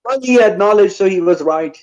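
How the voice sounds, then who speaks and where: A man's voice: high-pitched, expressive, a little fast, darkish tone, lo-fi sound. A man calling into a debate, answering defensively and hesitantly with many fillers. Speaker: caller in a debate.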